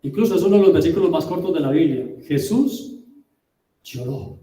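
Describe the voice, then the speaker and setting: A man preaching a sermon as a pastor, emphatic, with rhetorical questions and drawn-out words. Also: on the high side, expressive, dark tone. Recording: roomy, distant mic.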